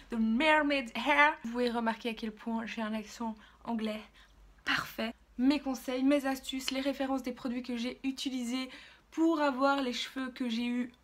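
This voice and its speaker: A woman in her twenties chatting casually in a vlog, swearing freely and filling pauses with fillers. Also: on the high side. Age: 20s. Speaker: beauty YouTuber.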